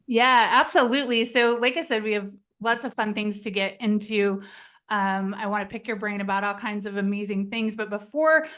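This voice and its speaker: A woman's voice: mid-range voice, steady tone, moderate pace, a bit bright. A woman hosting an interview show, upbeat and chatty, asking questions with enthusiasm. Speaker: podcast host.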